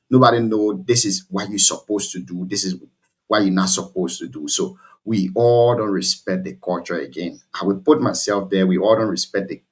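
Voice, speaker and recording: A man, a guest on a talk show, speaking emphatically and repeating phrases as if lecturing. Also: on the low side. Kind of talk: casual talk show discussion.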